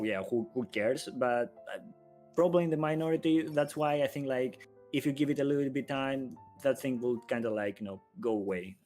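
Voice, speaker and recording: A man speaking English as his second language, a livestream guest chatting casually and hesitantly with many fillers while searching for words. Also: mid-range voice. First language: not English.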